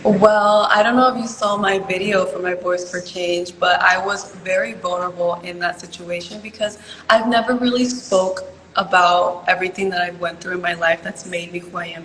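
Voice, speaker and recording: A woman's voice: fairly low pitch, a bit bright, slight background noise. Chatty young woman in an echoey room. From born in Peru, raised in California. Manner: chatty, earnest, fills talk with "like" and "you know". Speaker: pageant contestant interviewee. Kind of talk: casual interview answers. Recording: echoey room with long reverb.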